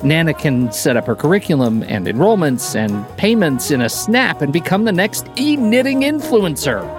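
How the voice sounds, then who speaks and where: Animated man reading a podcast ad. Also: fairly high pitch, normal speed, music in the background. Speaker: podcast host. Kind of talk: scripted ad read.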